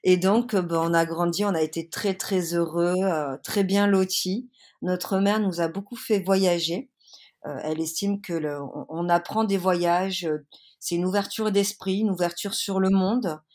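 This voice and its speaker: Slightly ill with a cold, a woman from France talks earnestly but hesitantly as a guest in a casual interview. Her voice is on the low side and a little mellow, unhurried, with fairly even intonation.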